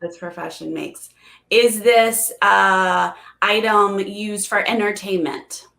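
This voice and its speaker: A woman's voice: medium pitch, takes it slowly, vocal fry, pushed and bright, echoey room. A woman playing as a contestant in a guessing game, thinking aloud as she puts casual questions.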